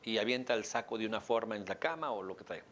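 A man with a Mexican accent giving a lively lecture to a live audience, joking and asking them questions. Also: fairly low pitch, fast, slight background noise. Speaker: speaker teaching an audience.

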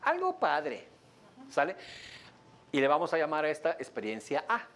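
A man's voice: fairly high pitch, moderate pace. Jokey Mexican man leading a workshop. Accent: Mexican Spanish. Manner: lively, jokey, laughs often while explaining. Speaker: workshop instructor. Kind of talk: live workshop demonstration. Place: training room with an audience.

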